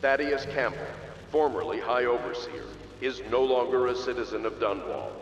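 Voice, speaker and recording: Casting: severe city announcer, declamatory, muffled echoing loudspeaker, medium pitch. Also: male voice, lively intonation. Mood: official, severe. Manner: formal, declamatory, deliberate. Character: stiff male official public-address announcer of an oppressive city. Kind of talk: scripted propaganda announcement in a game. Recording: echoey, dull outdoor loudspeaker sound.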